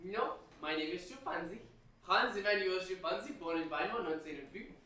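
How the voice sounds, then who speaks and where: An actor playing an eccentric, earnest older German émigré with a German accent in a stage comedy. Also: male voice, high voice, brisk, far from the mic. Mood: earnest, puzzled. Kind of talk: live stage comedy acting. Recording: echoey theatre from afar, loud audience.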